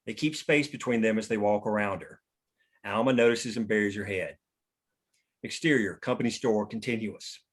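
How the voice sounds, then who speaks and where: At a script table read, a man with a medium-pitched, slightly bright voice handles the stage directions, reading scene headings and action lines as scripted narration.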